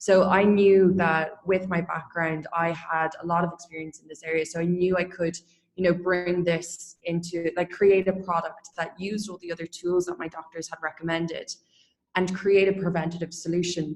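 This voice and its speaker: A woman with an Irish accent speaks in a flat monotone, with big swings in loudness. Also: fairly low pitch for a woman, moderate pace. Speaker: startup co-founder. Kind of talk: podcast interview.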